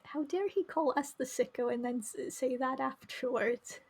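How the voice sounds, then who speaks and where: A woman hosting a game livestream, chatting casually and thinking aloud in a musing, halting way. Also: high voice, slightly rough. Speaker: livestream host playing a visual novel. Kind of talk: casual livestream commentary and chat.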